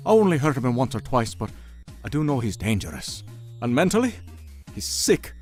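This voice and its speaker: A man voicing an anxious, protective gangster sidekick in a comic dub, with animated, slangy, fretful delivery. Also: mid-range voice, normal speed, faint music behind, lightly acted. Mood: cautious. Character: excitable, anxious, protective male gangster buddy.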